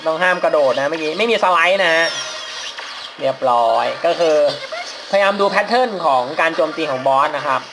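A man's voice: on the high side, animated, brisk, background noise. A man casually commentating as he plays a mobile game, polite and chatty, laughing at his own mistakes. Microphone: phone mic while playing on a phone.

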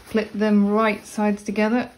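A woman explaining sewing steps in a casual, chatty tutorial voice-over, with relaxed asides. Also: mid-range voice, a little slow, a little hiss or hum. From Cornwall, England. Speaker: sewing instructor. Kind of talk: casual step-by-step tutorial narration.

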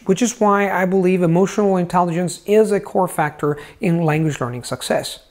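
Gravelly-voiced man explaining to camera. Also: sits high. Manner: expressive, gestures a lot, stresses words. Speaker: language learning teacher. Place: indoors in front of a large bookshelf. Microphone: lapel mic.

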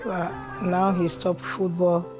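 A middle-aged woman speaks slowly and plainly, in simple phrases, from her living room. Music plays clearly behind her. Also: lowish voice, level tone. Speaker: parent. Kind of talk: documentary interview.

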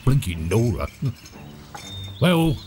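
Chirpy British handyman, wildly animated. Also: mid-range voice, slow pace, slight background noise. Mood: forced cheer. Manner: rambling, stammering, nervous chuckling. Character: chirpy, timid British handyman putting on brave cheer. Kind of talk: audio drama monologue.

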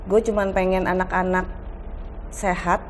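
A woman's voice: on the low side, unhurried. A middle-aged woman talks as a guest on a talk show. She tells stories with energy and acts out family dialogue. There is faint noise in the background. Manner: animated storytelling, acting out family dialogue. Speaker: guest actress. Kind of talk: casual talk show chat.

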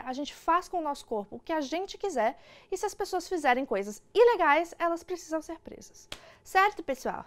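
A woman's voice: sits high, fairly bright tone. A young Brazilian woman hosting an online news show, giving casual, opinionated commentary to camera. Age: young adult. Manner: informal, opinionated. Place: indoor studio.

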